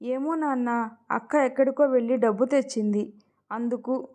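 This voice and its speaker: Hushed timid young daughter, read by a woman. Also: on the high side, normal speed, close to an everyday voice. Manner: hushed, secretive. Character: young timid daughter, telling secrets quietly.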